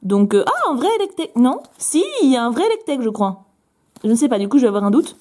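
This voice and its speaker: A young woman with a slightly high, sing-song voice and a darkish tone talks quickly to camera. She's a YouTuber opening her fan mail, bubbly and playful, with plenty of little fillers and repeats.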